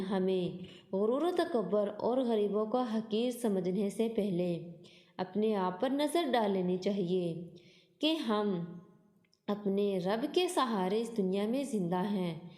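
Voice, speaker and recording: A woman's voice: mid-range voice, lively intonation, slow, mellow. A woman reading a scripted moral story as the narrator of a storytelling channel. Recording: echoey, long reverb on voice.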